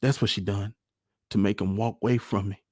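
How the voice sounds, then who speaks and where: A man's voice: on the low side, fairly even intonation, fairly quick, dry recording, studio quality, pitched above the performer's own voice, natural voice. A man voicing a small, superstitious, fretful country mother with a rural Southern accent and an insistent, scolding manner in a storybook reading. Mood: insistent, bitter. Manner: scolding, insistent dialect speech.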